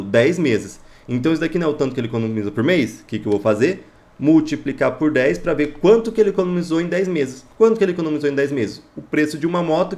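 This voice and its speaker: A man's voice: mid-range voice, darkish tone. A man with a Brazilian accent teaching math, explaining exercises step by step, posing questions and answering them himself, checking that listeners follow. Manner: didactic, asks himself questions then answers, checks understanding.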